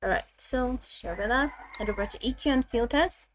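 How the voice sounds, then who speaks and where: Woman giving a halting software tutorial. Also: a little high, slight background noise, poor audio. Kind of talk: casual screen-recorded step-by-step tutorial.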